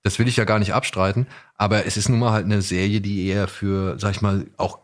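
A man speaks in a fairly deep voice. As a podcast co-host he talks informally, phrasing his points in a hedging, roundabout manner. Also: level tone, brisk. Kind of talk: casual conversational questioning.

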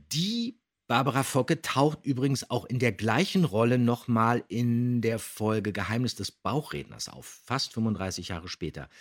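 A man hosting a podcast, chatting casually and telling background facts and anecdotes in an animated way. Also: medium pitch. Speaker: podcast host.

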